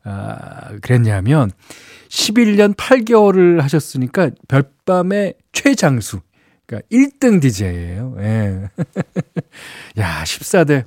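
A man's voice: mid-range voice, huge pitch swings, slow, a little mellow, no room sound. A middle-aged man hosting a radio show, chatting casually and chuckling as he reads listener messages. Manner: chatty, chuckles often, many fillers. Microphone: studio microphone. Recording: dry studio sound.

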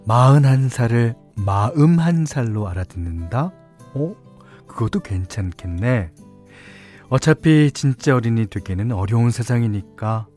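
A man hosting a radio show, reading listener stories and chatting in a relaxed way, chuckling often. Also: mid-range voice, a little slow. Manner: relaxed, chuckling, many fillers. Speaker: radio DJ host. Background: soft guitar music.

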